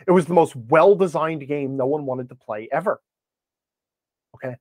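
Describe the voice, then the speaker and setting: A man speaking as a podcast guest, giving opinionated, emphatic explanations in conversation and often checking in with a quick okay or right. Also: fairly high pitch, a little mellow, no echo, clean studio sound. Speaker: podcast guest, game design commentator.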